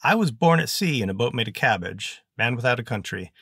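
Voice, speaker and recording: A man voicing a wordy, pompous gentleman adventurer, in a dry close recording. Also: medium pitch, expressive, brisk, slightly rough, no echo.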